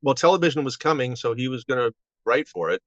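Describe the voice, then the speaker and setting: An elderly man in his seventies looks back casually as an interview guest. He talks in a halting, rambling way, restarting sentences. The recording is slightly dull and lo-fi, with hardly any room sound. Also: mid-range voice, expressive, fairly bright tone, dry recording. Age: 70s. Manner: halting, rambling with false starts. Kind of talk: casual reminiscing. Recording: dull, band-limited audio.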